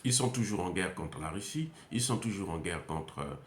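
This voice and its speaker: A man's voice: sits low, lively intonation, normal speed. A man with a Central African French accent giving an emphatic, unscripted monologue, repeating phrases and hesitating often. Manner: emphatic, repetitive, many hesitations. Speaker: commentator. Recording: roomy echo.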